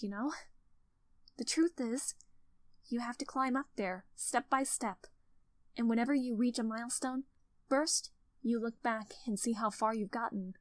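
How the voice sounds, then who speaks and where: A woman voicing an encouraging teenage girl club president from a visual novel game, speaking in an earnest, conversational, gently instructive way. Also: fairly high pitch, natural voice. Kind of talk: scripted character monologue of writing advice.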